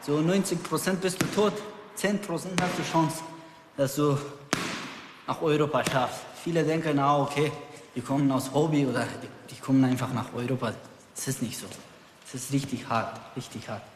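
A man's voice: fairly high pitch, steady tone, moderate pace. A young man from Afghanistan, a boxer, telling his story earnestly in simple, broken German. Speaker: interviewee, amateur boxer. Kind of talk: personal account. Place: boxing gym. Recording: echoey gym hall with background noise.

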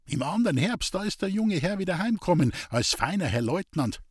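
A man's voice: sits high, big pitch swings, normal speed, husky, dry recording, studio quality, pitched above the performer's own voice, heavily acted. A man voicing a weary, bitter old village woman speaking in Bavarian dialect in a storybook reading. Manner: plaintive, bitter, resigned.

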